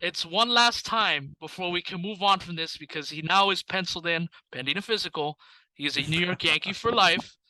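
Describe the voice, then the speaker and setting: Casting: man, sports podcast co-host, very bright and forward voice, blunt and jokey. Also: high voice, brisk, no room sound, poor audio. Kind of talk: casual sports chat.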